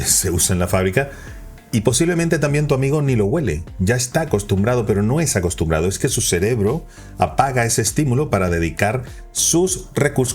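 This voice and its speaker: A man teaching persuasive speaking, changing his pitch and pace to stress his points. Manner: lively, varies pitch and pace for emphasis. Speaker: communication coach. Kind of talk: instructional talk on persuasion.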